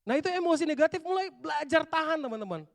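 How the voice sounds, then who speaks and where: Male youth pastor, slangy and animated sermon, hushed asides to shouted bursts. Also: extremely high pitch, quick pace, vocal fry. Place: church hall.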